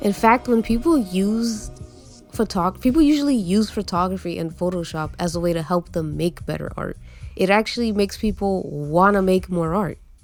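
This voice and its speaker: A woman speaks at a moderate pace with ordinary pitch variation. Music plays in the background. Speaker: artist and animator. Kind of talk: casual talk to camera. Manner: angry ranting.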